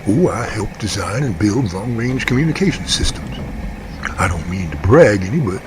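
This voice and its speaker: A man playing a modest, helpful and quietly confident electronics expert in an amateur audio drama. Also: on the low side, sing-song, moderate pace, noisy background. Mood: quietly proud.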